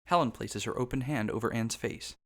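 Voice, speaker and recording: Male describer, medium pitch, scripted informational narration. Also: a little fast, slight background noise.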